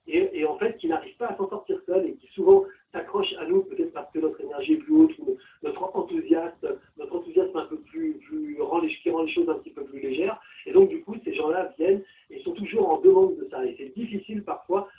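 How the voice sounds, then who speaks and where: A man working as a coach, presenting a course in an animated, colloquial and emphatic way. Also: high voice, gravelly. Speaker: personal development coach. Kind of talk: promotional talk to camera introducing a course. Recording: distant mic, thin phone-like sound.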